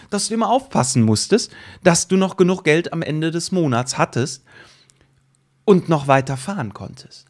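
A man in his late thirties giving opinionated commentary to camera, emphatic and indignant, full of rhetorical questions, close on a studio mic at home. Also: high voice. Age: late 30s. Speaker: YouTube host and commentator. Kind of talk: opinionated reaction commentary, reading an article aloud. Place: small home studio room, indoors. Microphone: close microphone on a boom arm.

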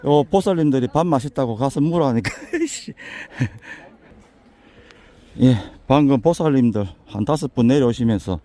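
An older man with a Busan accent, hoarse and a bit winded, chatting folksily as he walks a mountain path for his vlog. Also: mid-range voice, warm tone. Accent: Busan Gyeongsang dialect. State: out of breath from climbing. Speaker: vlogger touring local alleys. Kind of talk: casual walking vlog.

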